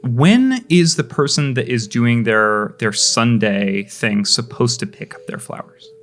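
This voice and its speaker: A man's voice: mid-range voice, lively intonation, unhurried, fairly bright tone. A young man narrating as game master, casual, with restarts and lots of questions to the players. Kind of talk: narrating a tabletop role-play game.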